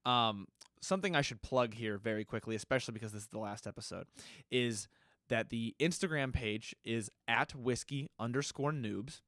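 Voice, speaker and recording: A man with a slightly stuffy nose, hosting his own podcast in a relaxed, rambling way. He often stops to correct himself, and his voice sits at an ordinary middle pitch. The sound is close and dry, with no room echo. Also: moderate pace. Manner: loose and rambling, with frequent self-corrections. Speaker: podcast host. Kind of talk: casual solo podcast answering listener questions.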